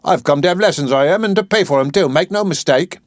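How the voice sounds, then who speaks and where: A man's voice: fairly high pitch, fast talker, no room sound, clean studio sound, pitched above the performer's own voice, close to an everyday voice. A man voicing a proud, touchy young flower girl with a saucy, defiant manner.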